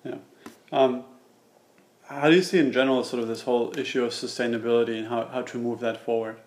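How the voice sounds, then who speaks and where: A man's voice: medium pitch, fairly even intonation, fairly quick, reverberant. A man interviewing a guest, asking short questions with a few fillers. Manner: asks brief questions with fillers.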